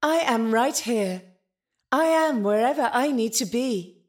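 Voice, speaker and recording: A woman's voice: on the high side, animated, unhurried. A woman playing a prim, evasive, literal-minded ship's intelligence in a science-fiction audio drama, speaking with dry, formal politeness. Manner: formal, pedantic, dryly polite.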